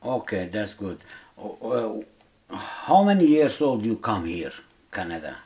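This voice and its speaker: Male interviewer, Kurdish accent, unhurried and halting, simple non-native phrasing, casual delivery. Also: on the low side, big pitch swings, mellow.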